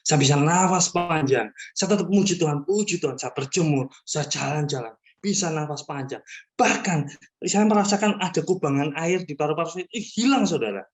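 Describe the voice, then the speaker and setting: A man shares a personal testimony at an online church service, his voice carried over a video call. He tells his story in a lively, animated way and keeps turning to speak directly to his listeners. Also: a little high, normal speed. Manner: animated storytelling, often addressing listeners as brothers and sisters. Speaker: church member giving a testimony.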